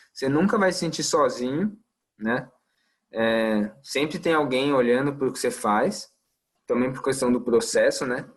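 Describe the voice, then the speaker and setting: A young Brazilian man speaks at an ordinary, middle pitch in a relaxed podcast chat. His Brazilian Portuguese accent comes through as he works out his thoughts aloud, filling pauses and trailing off into small asides. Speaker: medical resident.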